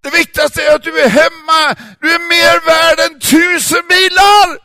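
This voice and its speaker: A man voicing a distraught father who sobs and shouts with relief. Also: extremely high pitch, no echo, voice pushed up, full character voice. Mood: tearful relief. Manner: crying, shouting, overwrought.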